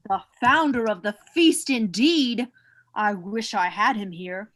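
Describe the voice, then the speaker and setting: A woman's voice: medium pitch, slow, fairly bright tone. An actress playing an outspoken, loving Victorian mother in a radio play, bustling and emphatic. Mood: indignant.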